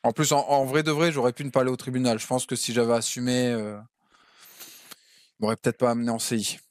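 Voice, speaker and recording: A man's voice: mid-range voice, flat delivery, fast, no echo. A male streamer talking casually out of character to his viewers, with frequent hesitant restarts.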